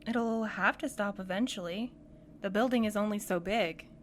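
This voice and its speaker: A woman acting in an audio drama podcast as a playful, curious but cautious companion, lightly teasing and expressive. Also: mid-range voice, normal speed, close to an everyday voice. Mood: teasing, reassuring. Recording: clear background noise, ambient sound bed.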